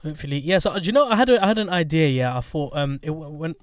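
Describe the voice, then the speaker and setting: A man's voice: fairly high pitch, rapid-fire, no room sound, clean studio sound. A young man, hosting a podcast in easygoing, slang-heavy chat. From North London. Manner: easygoing, chatty, uses London slang. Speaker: podcast host. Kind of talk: casual banter.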